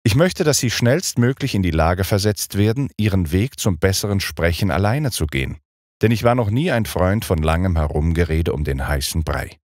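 Middle-aged male audiobook narrator, low voice with a wide melodic range, dry close studio sound. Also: lively intonation, darkish tone, dry recording. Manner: clear, deliberate trained-singer delivery; precise, emphatic stress. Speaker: audiobook narrator and speech coach. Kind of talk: scripted audiobook lesson narration.

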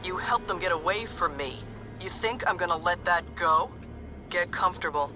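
A woman's voice: fairly low pitch, pushed and bright. Cold alien smuggler boss lady, taunting n menacing, video game villain, music under it. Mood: smug menace. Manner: taunting, deliberate, threatening.

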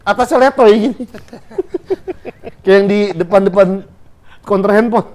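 A man's voice: a little fast, darkish tone. A man joking and teasing in casual banter with old school friends. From Indonesia. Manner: joking, teasing, jumps into high playful bits. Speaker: podcast co-host.

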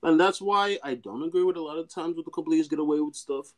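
A man's voice: on the high side, fast. Young man with a Nigerian accent, arguing. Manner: interrupts and repeats himself, stumbles over words. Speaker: debate guest. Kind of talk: heated casual debate. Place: small room indoors. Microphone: webcam on a video call.

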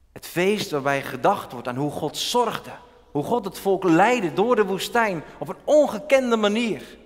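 A male pastor preaching a sermon in a church, animated and rising loud when he voices God's words. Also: mid-range voice. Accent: Dutch. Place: large church. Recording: long church reverb.

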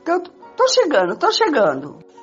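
A woman playing a bold, jealous lover in an amateur radio soap, emphatic and repeating herself, with a husky voice. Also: high voice, huge pitch swings, normal speed. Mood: flustered, eager. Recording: dull lo-fi recording, music behind.

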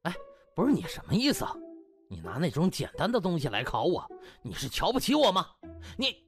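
A man voicing haughty male doctor, boastful, huffy snorts, comic audiobook, expressive intonation, music bed. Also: on the high side, a little fast. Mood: indignant.

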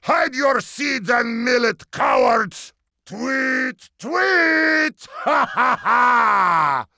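An actor playing a boastful, menacing bird-headed heavy gunner with a Russian accent in a video game. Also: male voice, extremely high pitch, lively intonation, very slow, creaky, sharp tone, dry recording, raised voice, studio quality, heavily acted. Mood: roaring triumph. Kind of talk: shouted game taunts.

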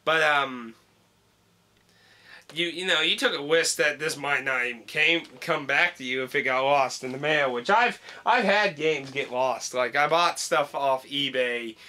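A man's voice: fairly high pitch, measured pace, pushed and bright. A young man talking casually about games he collected, rambling with many fillers and restarts, at home. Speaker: video game collector vlogger. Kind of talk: casual unboxing vlog. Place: home room with wall shelf.

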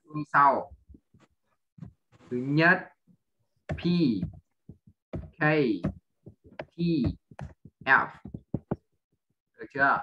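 A male teacher running an English lesson, speaking slowly and patiently as he spells out letters and keeps checking that his pupil follows. The audio is muffled and lo-fi, with a faint hiss behind him. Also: medium pitch, bright, forceful tone. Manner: patient drilling, often checking understanding with short questions. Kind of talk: online English lesson for a child.

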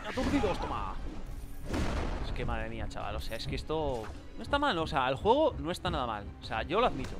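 A man with a Spain Spanish accent giving casual gameplay commentary, rambling with fillers and bursting into loud exclamations. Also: medium pitch, huge pitch swings, fairly quick. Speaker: gaming channel host. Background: game music.

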